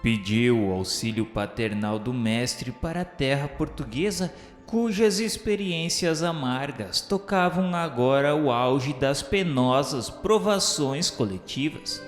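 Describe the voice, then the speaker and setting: A man's voice: medium pitch, lively intonation, slow pace, few pauses. Echoey Brazilian man narrating solemnly. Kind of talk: solemn scripted radio drama narration. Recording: echoey reverberant hall sound, music underneath.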